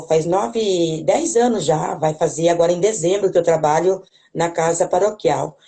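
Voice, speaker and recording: Brazilian woman, country accent, lowish mellow voice, halting and unsure, guest on a call. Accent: Brazilian Portuguese, rural. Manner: hesitant, many restarts and tag questions. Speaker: guest, parish worker. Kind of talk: casual conversation, hesitant.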